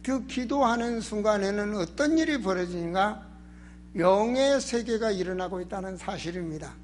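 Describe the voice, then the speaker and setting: A man's voice: high voice, expressive, moderate pace, a little hiss or hum. A man preaching a sermon as a pastor, emphatic and exhorting, with rhetorical questions and a strained, sore throat. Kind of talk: sermon in Korean church.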